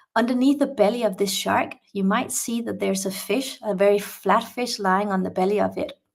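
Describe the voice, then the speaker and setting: Vocal fry runs through a woman's fairly quick speech, which has ordinary pitch variation. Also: medium pitch for a woman, hardly any pauses. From Denmark. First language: Danish. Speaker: marine researcher and dive instructor. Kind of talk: narrated video presentation. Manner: animated.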